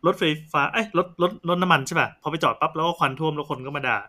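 A man co-hosting a tech podcast, throwing in quick, blunt reactions. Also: on the high side, pushed and bright. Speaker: podcast co-host. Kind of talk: casual tech podcast chat.

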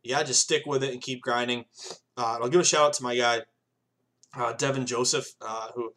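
A man's voice: mid-range voice, steady tone, brisk, fairly bright tone. Rambling male sports betting podcaster. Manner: rambling, filler-heavy, addresses listeners as guys. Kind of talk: casual solo podcast monologue.

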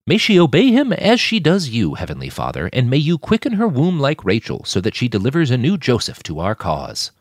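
A man's voice: mid-range voice, huge pitch swings, brisk, hardly any pauses, dry recording, clean studio sound, voice pushed up. A man voicing a stern, zealous middle-aged preacher who leads a smuggling ring, speaking in a grandiose sermonizing way. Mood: praying.

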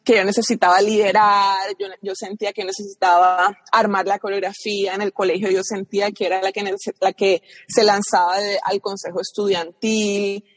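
A woman's voice: medium pitch, level tone, moderate pace, few pauses, no echo, in a large hall. A woman from Colombia with a Caribbean coast accent, a guest in a casual interview, talking reflectively with many fillers and restarts.

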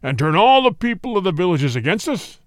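A man's voice: high voice, sing-song, a little fast, dry recording, studio quality. A man voicing a huge male tiger, full of hate and bullying, roaring his demands in a storybook reading. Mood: roaring, hateful.

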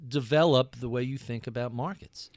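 A man's voice: mid-range voice, normal speed, a little mellow, dry recording, studio quality. A man in his fifties hosting an interview, asking questions in a curious, chatty way and often restarting his sentences. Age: 50s. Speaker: podcast host. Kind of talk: interview conversation.

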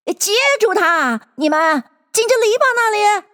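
A woman's voice: extremely high pitch, expressive, unhurried, a bit bright, voice pushed up, heavily acted. A woman voicing a fussy male rabbit who barks orders at the others. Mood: bossy. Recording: long hall reverb.

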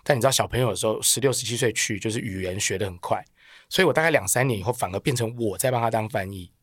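Man, Taiwanese accent, very quick pace, casual storytelling, colloquial and self-deprecating, dry close recording. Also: on the low side, no echo. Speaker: podcast guest.

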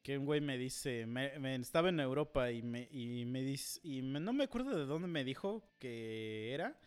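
A man's voice: medium pitch, animated, moderate pace, clean tone, soft background music. A young Mexican man with a Mexican accent, rambling crudely and swearing in casual chat as a podcast co-host. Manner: crude, profane, rambling storyteller.

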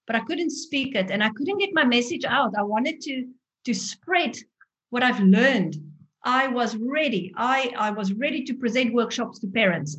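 A woman's voice: mid-range voice, fairly bright tone, lo-fi sound. A woman in her forties with a South African accent and Afrikaans as her first language, telling her own story earnestly and expressively as an interview guest. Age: 40s. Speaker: guest, author and parenting workshop presenter.

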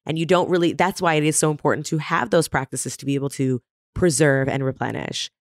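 A woman's voice: low voice, fairly quick, no echo, clean studio sound. A woman guest on a podcast, speaking in an earnest, reflective way about her own experiences. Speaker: guest, performer. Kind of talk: casual conversational interview.

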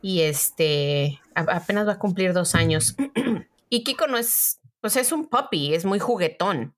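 A woman's voice: on the low side, expressive, unhurried. A woman co-hosting a casual chat, cheerful and laughing easily. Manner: cheerful, laughing, defends her puppy. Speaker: co-host.

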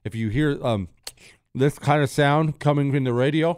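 A man's voice: medium pitch, moderate pace, darkish tone, no echo, studio quality. A man hosting a talk radio show, delivering a blunt, emphatic opinion monologue while nearly losing his voice and sucking a cough drop.

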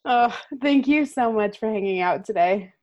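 A woman's voice: on the high side, moderate pace, darkish tone. A woman co-hosting a podcast, asking questions in an upbeat, enthusiastic way. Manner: upbeat, enthusiastic, laughs along. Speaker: podcast co-host. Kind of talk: casual interview chat.

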